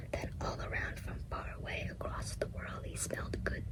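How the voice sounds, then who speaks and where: Whispering at a fairly slow pace over noticeable background noise. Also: woman. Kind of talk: ASMR bedtime story reading. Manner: soft-spoken, whispered, relaxing.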